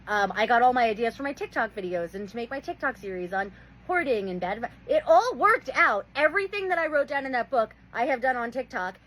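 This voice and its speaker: A woman's voice: fairly high pitch, fairly bright tone, low-quality recording. A young woman hosting, telling funny stories in casual chat and laughing often. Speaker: host.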